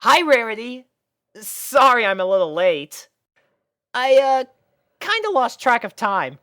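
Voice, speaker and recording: A woman voicing a young male dragon in a storybook reading, eager and bashful, with a hesitant, excitable manner. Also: fairly high pitch, a little slow, no room sound, studio quality, voice pushed up. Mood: sheepish.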